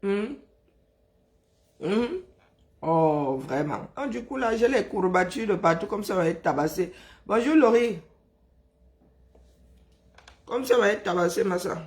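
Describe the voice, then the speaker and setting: A Cameroonian woman with a hoarse, broken voice, chatting casually on a live stream and greeting viewers by name, exhausted, teasing, humming and sighing between remarks. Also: medium pitch, expressive, a little mellow. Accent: Cameroonian French. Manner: chatty, teasing, drawn-out sighs and hums. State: hoarse, worn-out voice.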